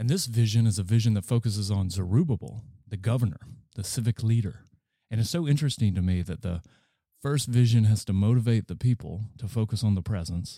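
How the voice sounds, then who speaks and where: In a very clean recording with a silent background, a man with a fairly low pitch and a dark, mellow, somewhat breathy tone speaks at a fairly quick pace with ordinary pitch variation. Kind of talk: guided prayer. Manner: fervent, earnest.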